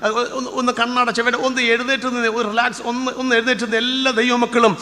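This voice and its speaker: A man's voice: very high-pitched, flat delivery, fast, bright, forceful tone, big-room sound. An older man preaching a sermon, firing off rhetorical questions at his congregation with fervent intensity. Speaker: pastor.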